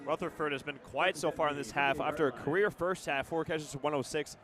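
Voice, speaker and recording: A man's voice: fairly high pitch, fairly even intonation, brisk, music in the background. A young man with an American accent giving conversational live football analysis on radio, now and then stumbling over words. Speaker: color commentator.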